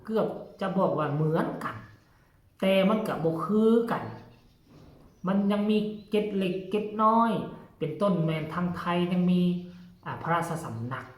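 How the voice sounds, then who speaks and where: A man's voice: high voice, animated, moderate pace. A man with a Lao accent, from Laos, talking to his fans in a casual vlog and lecturing them in a folksy, preachy way. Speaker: vlogger addressing fans. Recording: roomy echo.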